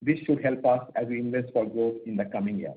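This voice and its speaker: A man's voice: mid-range voice, fast talker, breathy edge. Man on a tinny phone line. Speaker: company finance executive. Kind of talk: earnings call commentary, partly prepared, partly off the cuff. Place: conference call over phone line.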